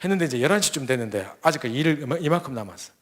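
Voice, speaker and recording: A young man preaching a sermon, telling a story full of quoted dialogue and quick restarts. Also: medium pitch, animated, fairly bright tone. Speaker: preacher at a church training camp. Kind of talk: sermon with acted-out stories.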